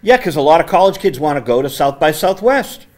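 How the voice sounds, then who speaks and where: A man hosting a casual studio interview, speaking with a naturally loud, conversational voice into a microphone set on the table. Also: fairly high pitch, very animated, a little fast. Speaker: host. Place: community access TV studio.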